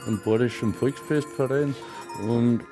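Male interviewee, easygoing explainer, mid-pitched, music playing behind. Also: steady tone, moderate pace. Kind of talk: casual interview talk.

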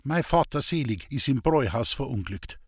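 A man's voice: mid-range voice, lively intonation, normal speed, breathy edge, no echo, clean studio sound. A man voicing a weary, bitter old village woman speaking in Bavarian dialect in a storybook reading. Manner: plaintive, bitter, resigned.

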